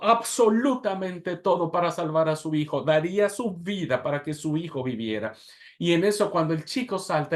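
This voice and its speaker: Man, preaching instructor, dramatic storyteller, asks the class questions, somewhat high pitch. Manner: dramatic storytelling with pauses and swings in loudness.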